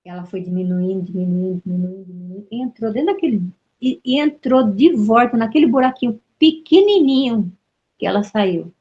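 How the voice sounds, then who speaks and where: A woman's voice: mid-range voice, brisk, lo-fi sound. A middle-aged woman from Brazil, an interview guest telling her experiences with vivid storytelling, repeating words and acting out quoted voices.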